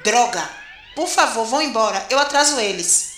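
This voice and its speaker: A woman's voice: a little high, animated, normal speed, a bit bright, a little hiss or hum. A woman playing a brave young rebel soldier in an audio drama, earnest, urgent and pleading. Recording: echoey, faint music behind.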